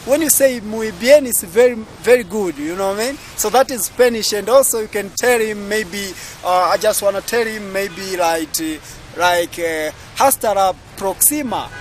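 A young Tanzanian man with a Tanzanian accent and a high voice chats his way through a street interview. He films on a phone held at arm's length outdoors, restating answers for his viewers, while faint traffic hums behind him. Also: normal speed. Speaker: vlogger host. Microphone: handheld phone at arm's length.

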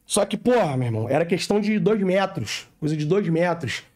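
A man's voice: fairly high pitch, expressive, brisk, a little mellow. A man with a Rio de Janeiro accent, a police corporal telling a story as a podcast guest in slangy street talk, with sound effects. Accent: Rio de Janeiro Portuguese. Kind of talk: casual storytelling.

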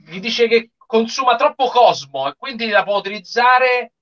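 A man's voice: very high voice, animated, normal speed, fairly bright tone. A man giving casual commentary in a group anime watch-along over a video call. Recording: dull, lo-fi video-call audio.

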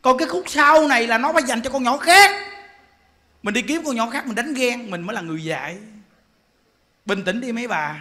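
A man, a Buddhist monk giving a sermon in an animated, joking way. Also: very high-pitched, brisk, pauses often, slight background noise. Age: 40s.

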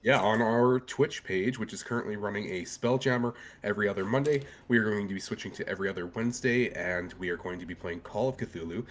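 A man's voice: fairly low pitch, quick pace, hardly any pauses, a little hiss or hum. A man on a headset, a guest chatting about his podcast and games. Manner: chatty, plugging his show. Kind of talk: casual chat.

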